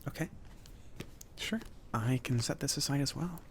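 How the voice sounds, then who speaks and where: A man playing a friendly, awkward mage who runs a potion shop, speaking softly and haltingly in a casual, chatty ASMR roleplay style. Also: medium pitch, gravelly, a little hiss or hum, close to an everyday voice. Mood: friendly, hesitant. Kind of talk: soft-spoken ASMR roleplay.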